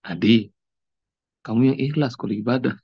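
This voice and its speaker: A man voicing a mysterious Arab stranger who gently chides a worshipper. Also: medium pitch, moderate pace, creaky, slightly rough, dry recording. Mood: gently admonishing. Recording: dull lo-fi recording.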